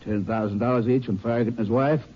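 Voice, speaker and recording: A man's voice: medium pitch, fairly even intonation, fast, natural voice. A man acting a formal, businesslike insurance investigator in a 1950s radio drama. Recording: muffled 1950s radio recording.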